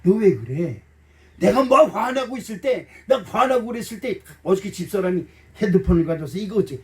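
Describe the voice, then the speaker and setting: Speaking briskly in a high voice, a middle-aged man preaches as pastor in a church sanctuary, recorded from a distance. He's folksy and emotional, acting out short dialogues and cracking blunt jokes for the congregation.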